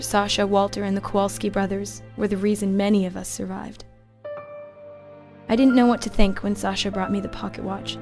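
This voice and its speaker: A woman acting a grieving young ghetto prisoner who tells her story in a radio drama. Her delivery is measured and reflective, with very little rise and fall. Music plays behind her. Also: mid-range voice, mellow, close to an everyday voice. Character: grieving young Jewish woman recalling life in the Warsaw ghetto. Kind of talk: scripted dramatic first-person narration.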